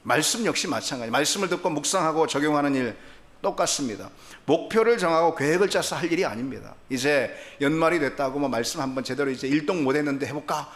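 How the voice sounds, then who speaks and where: Male preacher, slightly high voice with a lot of pitch movement, animated Sunday sermon, acts out the dialogue and laughs along. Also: fast. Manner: animated, acts out God's and Sarah's lines in quoted voices; chuckles often while preaching. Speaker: pastor.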